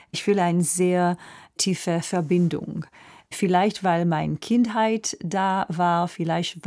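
Slow-speaking Israeli soprano woman. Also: lowish voice, darkish tone. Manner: slow, thoughtful, searching for words in a second language. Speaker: guest, opera soprano. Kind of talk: radio interview.

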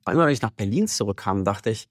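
In a radio studio interview, a musician guest with a very deep voice speaks in a measured, reflective and expressive way, often starting with "also." The recording is dry and close, with no room sound.

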